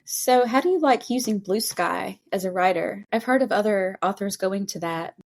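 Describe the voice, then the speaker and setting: A woman's voice: mid-range voice, normal speed, gravelly. A woman hosting a podcast, chatting casually and effusively with a guest. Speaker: podcast host. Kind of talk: casual interview chat.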